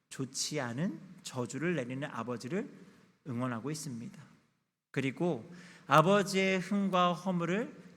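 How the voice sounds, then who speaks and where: A man's voice: on the high side, fairly bright tone. A pastor in his thirties giving a candid, confessional sermon in a church sanctuary. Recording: long church reverb.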